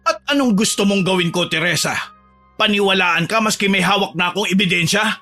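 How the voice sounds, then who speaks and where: A man's voice: high voice, brisk, pushed and bright. A man voicing a strict, angry father scolding and threatening his daughter, over faint music.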